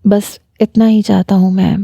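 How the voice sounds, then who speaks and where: A woman voicing a smitten young male doctor who speaks softly and earnestly, read out in a story. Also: mid-range voice, flat delivery, vocal fry, dry recording. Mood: pleading. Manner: soft, coaxing and earnest. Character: young man, a smitten doctor, gentle and persistent. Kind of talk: story narration.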